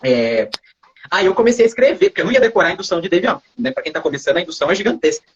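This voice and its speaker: A man with a Brazilian Portuguese accent tells a story as an interview guest, animated, acting out quoted dialogue and often adding tag questions. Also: high voice, racing, muffled recording, a little hiss or hum. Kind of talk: casual storytelling in a livestream interview.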